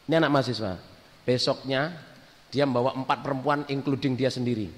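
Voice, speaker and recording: A man's voice: mid-range voice, steady tone, quick pace. A man preaching to a congregation, telling a story and acting out the quotes, sometimes mixing in English. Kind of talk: sermon. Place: mosque or prayer hall with a congregation. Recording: hall reverb.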